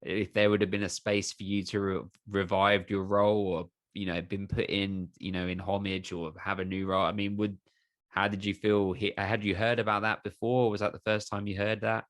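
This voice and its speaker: A man hosting a podcast, asking questions in an earnest, musing way and building them up slowly. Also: on the low side, flat delivery, fairly bright tone, dry recording. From United Kingdom. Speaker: podcast host. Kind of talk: casual interview chat.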